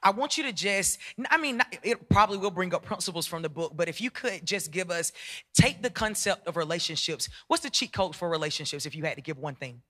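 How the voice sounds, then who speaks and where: A woman interviewing her husband, animated and teasing, recorded in an echoey hall. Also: lowish voice, a little fast. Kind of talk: conversational interview.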